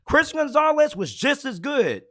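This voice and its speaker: A man with a raspy, hoarse voice hosts casual sports talk in a strikingly high register. His tone is bright and sharp, and his delivery is blunt and opinionated, quick to get heated. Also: sing-song. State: hoarse from yelling. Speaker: sports commentator host.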